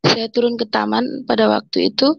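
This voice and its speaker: A woman giving an emotional personal conversion testimony, telling her story haltingly and voicing her own thoughts as she speaks. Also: a little high, little pitch movement, gravelly, dry recording, muffled recording. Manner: emotional, halting storytelling with quoted inner speech.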